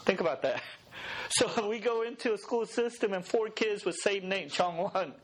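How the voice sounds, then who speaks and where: A man's voice: sits high, moderate pace, low-quality recording. A middle-aged man who was born in Korea and raised in the US, giving a chatty, laughing talk to an audience and often checking in with the crowd. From Korea, raised in the USA. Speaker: speaker at a mission gathering.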